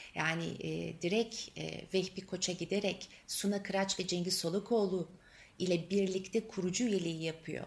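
A woman's medium-pitched voice with vocal fry, monotone and flat in intonation, at a fairly slow pace. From Turkey, Eskişehir. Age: 50s. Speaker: city cultural administrator. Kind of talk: interview.

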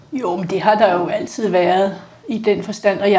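A woman's medium-pitched voice with ordinary pitch variation, plus audible room echo and noticeable background noise. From Copenhagen, Amager. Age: 60s. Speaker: art photographer. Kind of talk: interview conversation.

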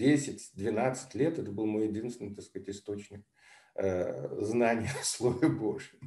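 A man with a medium pitch speaks in a dark, mellow tone, somewhat breathy, with ordinary pitch variation. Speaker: professor. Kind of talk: interview. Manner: hesitant, many fillers.

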